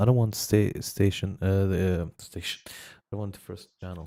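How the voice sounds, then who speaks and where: With a quiet background, a man speaks in a fairly low voice with a dark, mellow tone. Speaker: music producer live streamer. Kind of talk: live stream tutorial-style work commentary. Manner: slow, halting. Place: studio.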